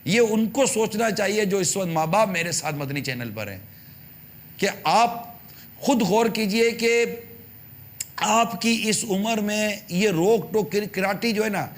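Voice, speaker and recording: Male TV preacher, high-pitched, emphatic and repetitive, full of rhetorical questions. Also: fairly bright tone. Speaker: religious preacher on TV channel. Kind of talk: television sermon addressing parents.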